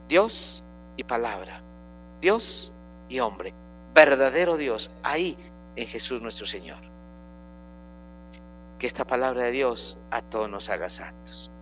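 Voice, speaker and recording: A man speaks as a Catholic priest, preaching and leading prayers in a solemn manner. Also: mid-range voice. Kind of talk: homily and liturgical prayer. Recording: dull lo-fi sound with mains hum.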